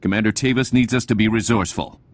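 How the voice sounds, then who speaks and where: An actor playing a hard-edged renegade black ops squad leader in a video game, impatient and commanding. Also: male voice, on the low side, steady tone, fast talker, husky. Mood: terse, impatient.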